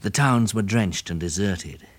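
A man playing a weary, kindly English survivor in a 1960s radio drama, gentle and measured in manner. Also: on the low side, no echo. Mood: weary, sombre. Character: weary, kindly male survivor narrating his journey. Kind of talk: 1960s British radio drama narration and dialogue. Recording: hissy old radio recording.

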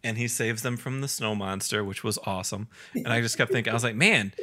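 A man hosting a podcast in casual chat, excited and laughing often. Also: mid-range voice, quick pace. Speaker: podcast host.

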